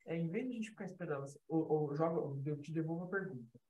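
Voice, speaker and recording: A man's voice: on the high side, fast talker, warm tone, highs cut off. A man from the audience giving a thoughtful answer in a group discussion. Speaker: audience participant. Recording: roomy echo.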